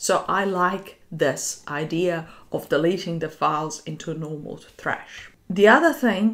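A woman speaks at a fairly slow pace, her pitch varying in an ordinary way. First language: not English. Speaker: surgeon and software tutorial creator. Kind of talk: tutorial. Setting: screen recording. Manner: explanatory, with occasional hesitations. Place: home room.

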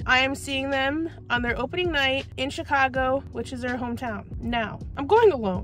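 The sound is dry with no echo, and faint music plays in the background. A woman talks at a fairly quick pace. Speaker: vlogger. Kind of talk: casual vlog chat. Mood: chatty, excited. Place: car. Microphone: phone near.

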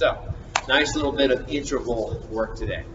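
A man talks at a moderate pace. The room echo is audible, and there is light background noise. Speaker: fitness coach. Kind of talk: tutorial. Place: gym. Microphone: camera far.

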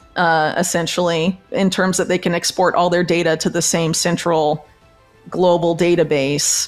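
Faint music plays in the background as a woman speaks with a fairly low pitch and monotone, flat intonation. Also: moderate pace, very even loudness. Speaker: interview guest. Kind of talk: interview answer. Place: home room. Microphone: studio mic.

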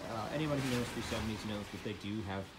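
Over light background noise, a man with a fairly low pitch talks at a moderate pace in a normal speaking voice. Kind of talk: casual repair vlog narration. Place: garage. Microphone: phone near.

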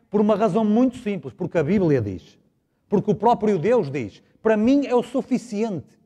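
Against a quiet background, a man with a European Portuguese accent and a dark, mellow tone talks at a moderate pace. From Portugal. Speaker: preacher. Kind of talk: sermon. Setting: church. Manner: earnest, persuasive. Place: church. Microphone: lapel.

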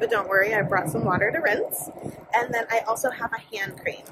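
Loud background noise accompanies a woman as she talks. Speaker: product reviewer, direct sales seller. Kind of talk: casual vlog chat. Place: boat. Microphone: phone near.

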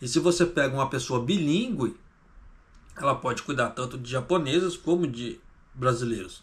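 A somewhat breathy man speaks at a moderate pace with long, frequent pauses. His pitch is fairly high, with ordinary pitch variation. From Brazil. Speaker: YouTuber commenting on news; finance vlogger. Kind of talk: casual news commentary monologue; casual vlog commentary. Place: home room. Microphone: webcam.

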